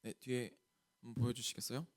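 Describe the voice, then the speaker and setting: A man's voice: mid-range voice, level tone, fast. A male pastor from Jeolla with a Jeolla accent, preaching a sermon to a young adults group and asking the congregation many questions. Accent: Jeolla Korean. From Jeolla region, Korea.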